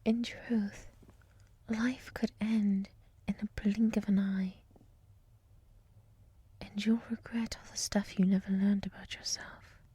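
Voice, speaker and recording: A woman playing a gentle, wise monster lady in an ASMR roleplay, whispering softly in a soothing, reflective, encouraging way, close to the mic. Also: medium pitch, level tone, takes it slowly, pauses often, no echo. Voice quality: soft, breathy whisper. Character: gentle, wise monster woman with many eyes, hotel resident. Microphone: close mic, dry.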